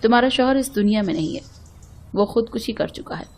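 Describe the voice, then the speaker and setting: Calm, sorrowful rich young man, matter-of-fact, read by a female storyteller. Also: fairly high pitch, brisk, creaky.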